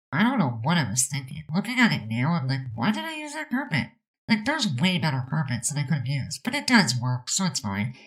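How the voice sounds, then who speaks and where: A woman chatting casually over a building video, rambling with lots of fillers, her nose stuffed up. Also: sits low. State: stuffed up, about to sneeze. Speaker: Sims builder narrating a speed build.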